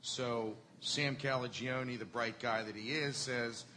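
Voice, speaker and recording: Bright guy telling a story at a tasting, lots of laughing, faint noise behind. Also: mid-range voice, slow pace. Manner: animated storyteller, laughs often. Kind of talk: casual chat, storytelling.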